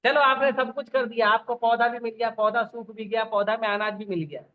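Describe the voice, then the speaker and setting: High pitched guy giving a scripture talk, keeps asking the crowd questions, muffled recording. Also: steady tone, a little fast. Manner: rhetorical questions to the audience; repetitive listing. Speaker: preacher. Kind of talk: Gita lecture.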